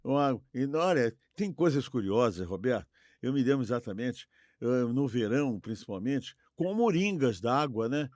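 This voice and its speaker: An older Brazilian man co-hosts a nostalgic, casual conversation. His medium-pitched voice is recorded dry, without room sound. He rambles and repeats phrases for emphasis. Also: sing-song, normal speed, a little mellow, dry recording. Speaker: podcast co-host.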